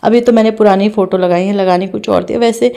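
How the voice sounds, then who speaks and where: A woman's voice: mid-range voice, steady tone, fairly quick, gravelly, mellow. A young woman, chatting homely and casually as she narrates her own home vlog. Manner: chatty and homely, with frequent fillers and restarts. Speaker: home vlogger.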